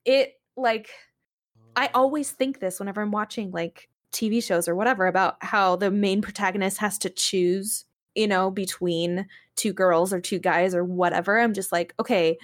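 A young woman chatting casually on a podcast in an animated, rambling way, full of "like" and exasperated storytelling. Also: mid-range voice, normal speed. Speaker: podcast co-host. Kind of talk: casual chat about games and anime.

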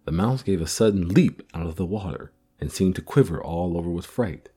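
A man narrating a storybook in a gentle, measured way. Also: sits low, animated, slightly rough. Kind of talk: storybook reading.

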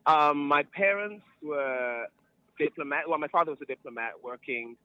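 A man's voice: fairly high pitch, normal speed, dry recording, highs cut off. A man with a transatlantic accent chats casually as an interview guest, playfully self-assured and full of anecdote. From born in New York, grew up across Europe and Sierra Leone. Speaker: celebrity wardrobe stylist, interview guest.

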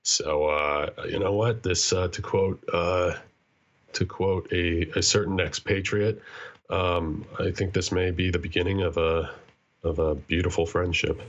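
A man co-hosting a podcast in casual, bantering chat, with a wry, joking manner and a halting way of repeating words. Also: low voice, steady tone, dull audio. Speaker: podcast co-host.

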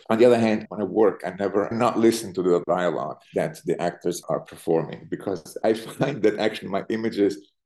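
A man's voice: lowish voice, warm tone. A middle-aged Swiss-born man who grew up speaking Italian and German, giving thoughtful interview answers as a cinematographer and often restarting as he searches for words. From Switzerland.

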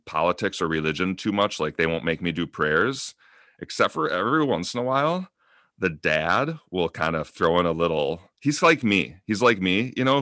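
Deep voiced guy cohosting a podcast, dry wry jokes, super dead dry mic. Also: fairly bright tone, no echo. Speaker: podcast co-host. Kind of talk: casual chat.

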